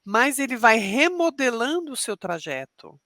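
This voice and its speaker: A woman's voice: fairly high pitch, very animated, unhurried, a bit bright, dry recording. Reflective Brazilian woman, dry close sound. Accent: Brazilian Portuguese. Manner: reflective, explains with examples. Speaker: podcast guest, leadership speaker. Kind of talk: interview conversation.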